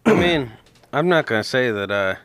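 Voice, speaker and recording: A man co-hosting a podcast with a deep voice, chatting casually and teasing his partner. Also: lively intonation, normal speed, a bit bright, no echo. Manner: joking, teasing banter. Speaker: podcast co-host. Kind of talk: casual chat about stocks.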